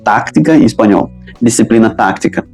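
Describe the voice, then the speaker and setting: A man's voice: fairly low pitch, expressive, a little fast, darkish tone, breathy edge, soft background music. A Portuguese-speaking man teaching Spanish football vocabulary, repeating each word several times and correcting himself as he goes. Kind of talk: vocabulary drill lesson.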